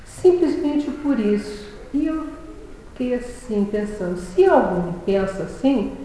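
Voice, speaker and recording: A woman giving a reflective religious talk, reading scripture aloud slowly and solemnly. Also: a little high, expressive, warm tone, slight background noise. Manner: reads scripture aloud in a slow, solemn cadence. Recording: very echoey hall.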